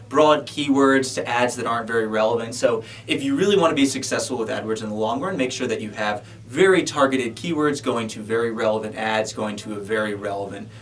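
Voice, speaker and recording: A man's voice: medium pitch, a bit bright. A man co-hosting a question-and-answer show, presenting questions and giving orderly advice. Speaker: co-host. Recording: distant mic pickup.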